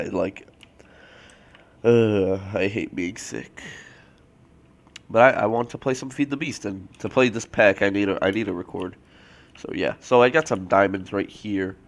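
A young man with a low-ish voice and a thick, stuffy nose from a cold. He chats loosely over his gameplay, full of fillers and self-corrections, speaking into a desk mic at his computer. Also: creaky. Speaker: let's play host. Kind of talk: casual gameplay commentary.

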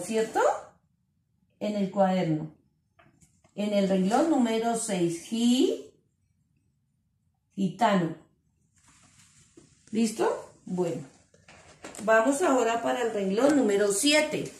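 Woman teacher, patient and slow, sounding out syllables for small children, echoey room. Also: mid-range voice, animated. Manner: slow, syllable-by-syllable dictation with endearments. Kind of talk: online class for young children.

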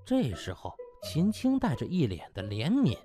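A man narrating a comic audiobook in an animated storytelling style. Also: a little high, normal speed. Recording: music bed behind.

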